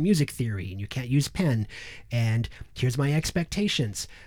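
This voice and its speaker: A somewhat breathy man of medium pitch, lively intonation, on a very clean recording with a silent background. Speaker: podcast host. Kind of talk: interview podcast conversation.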